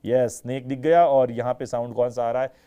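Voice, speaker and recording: A man's voice: medium pitch, fairly even intonation, fairly quick, mellow, smooth. A man with an Indian English accent teaching a live online English class, mixing Hindi and English, asking students questions and imitating sounds for his examples.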